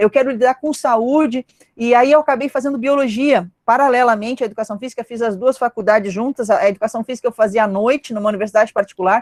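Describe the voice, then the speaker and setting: The speech comes at a very fast pace with hardly any pauses, in a slight gaúcho accent with ordinary pitch variation. The sound is dry and close, with no echo. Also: woman, fairly high pitch for a woman. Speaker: physiology professor and researcher. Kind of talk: panel talk. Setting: video call. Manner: hesitant, many fillers.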